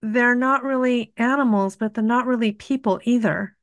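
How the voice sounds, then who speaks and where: A woman's voice: on the high side, normal speed, dry recording, pitched above the performer's own voice, natural voice. A woman voicing her young daughter, sweet and matter-of-fact, in a raised childlike tone. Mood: innocent. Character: small cheerful young daughter, innocent.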